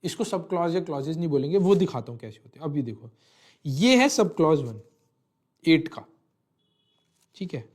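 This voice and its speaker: A man's voice: a little high, expressive, moderate pace, pauses often, darkish tone. A man teaching a law lecture, mixing English terms into his talk and often checking in with the listener. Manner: explanatory, repeats phrases and checks with "thik hai"; mixes English legal terms into Hindi. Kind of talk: online lecture walking through a legal text.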